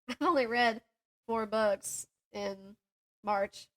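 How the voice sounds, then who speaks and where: Young woman on a book podcast, kinda high voice, giggly, chatty, puts herself down a bit. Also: takes it slowly, a bit bright. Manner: giggly, self-deprecating. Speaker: podcast co-host. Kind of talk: casual book chat with synopses read aloud.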